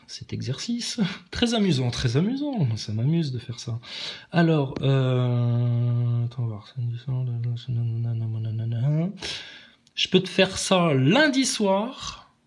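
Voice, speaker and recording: Casting: mocking male commentator, combative rant, pitch jumping up and down. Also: slight background noise. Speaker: online commentator. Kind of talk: ranting monologue to commenters.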